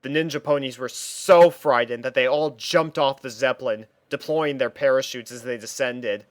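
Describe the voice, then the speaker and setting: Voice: medium pitch, normal speed, no room sound. A narrator reading a story aloud from a script. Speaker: fan fiction reader and narrator.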